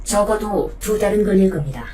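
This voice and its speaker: A woman playing a polite, protective robot companion in an audio drama, speaking in a formal, measured, matter-of-fact way. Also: mid-range voice, expressive, background noise, lightly acted. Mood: helpful. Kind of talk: Korean audio drama acting.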